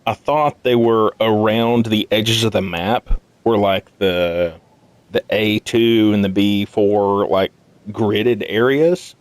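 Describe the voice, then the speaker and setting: A sleep-deprived man thinking aloud as he plays a puzzle game, muttering haltingly to himself in casual commentary. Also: on the low side, no room sound. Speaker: gaming video host. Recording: music behind the voice. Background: game music.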